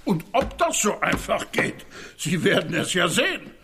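A man's voice: sits high, sing-song, moderate pace, gravelly, pushed and bright, breathy edge, heavily acted. An actor playing a selfish, pompous and dismissive male town mayor in a children's audio drama. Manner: pompous, dismissive, stumbling over names.

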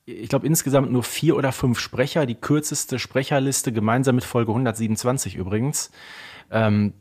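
Male co-host for a fan podcast, mid-pitched, informal and unscripted. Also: steady tone, moderate pace, darkish tone, husky. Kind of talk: casual fan podcast discussion.

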